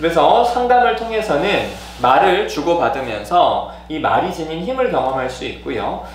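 In a room with audible echo and light background noise, a man with a high pitch talks at a fairly slow pace with very wide pitch swings. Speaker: psychological counselor leading a study group. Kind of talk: study group discussion. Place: meeting room. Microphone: camera far.

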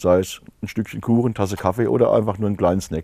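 Speaking at a fairly quick pace, a man with a dark, mellow tone uses ordinary pitch variation in a dry sound with no echo. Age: 50s. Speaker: mayoral candidate; candidate. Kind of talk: candidate interview. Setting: outdoors in a beer garden. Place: garden.

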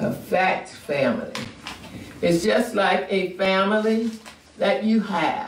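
A woman talks at a very slow pace, with long, frequent pauses. Light background noise and audible room echo surround her voice. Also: ordinary pitch variation. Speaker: math teacher. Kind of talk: online math lesson. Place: home room. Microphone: camera far.

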